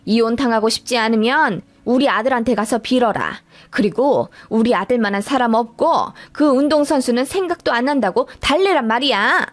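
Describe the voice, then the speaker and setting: A woman's voice: on the high side, animated, moderate pace, hardly any pauses, close to an everyday voice. A woman voicing a spiteful, overbearing older mother-in-law who lectures and accuses in a radio story. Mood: angry.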